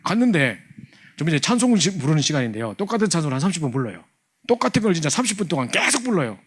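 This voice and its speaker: A man's voice: on the high side, sing-song, very fast, husky. A man telling a humorous testimony to a church class, acting out his younger self. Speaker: church youth leader teaching a training class.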